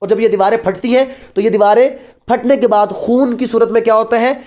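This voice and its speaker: A man's voice: extremely high pitch, steady tone, brisk, darkish tone. Male law lecturer, Pakistani accent, explanatory classroom delivery with rhetorical questions and code-switching into English. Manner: explanatory, asks and answers own questions. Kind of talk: lecture mixing Urdu and English.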